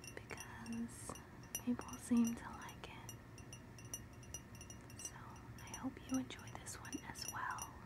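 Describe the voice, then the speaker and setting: Speech comes at a very slow pace with long, frequent pauses over noticeable background noise. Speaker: ASMR creator. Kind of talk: ASMR tapping video narration. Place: home room.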